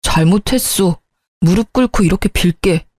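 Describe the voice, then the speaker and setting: A woman's voice: medium pitch, moderate pace, darkish tone, no room sound, natural voice. A woman voicing a young husband who begs his wife to forgive him and come home. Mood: pleading. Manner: begging, apologetic.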